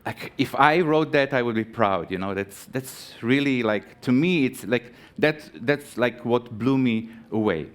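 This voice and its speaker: A man from Croatia in his thirties giving a live conference talk, halting with many fillers and restarts, friendly and chatty with the audience. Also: medium pitch. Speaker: conference speaker. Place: conference stage.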